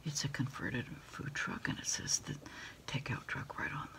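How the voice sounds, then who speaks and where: A middle-aged woman in a quiet ASMR roleplay as an order taker, murmuring in a halting, breathy whisper. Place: small indoor room at a desk.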